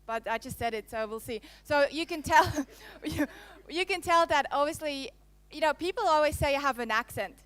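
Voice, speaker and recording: A Swiss woman in her thirties, her accent carrying some French, delivers a live keynote in a conference hall on a handheld microphone. Her high, slightly bright voice moves at a moderate pace with hardly any pauses, and there's no room sound. She is playful and teases her audience.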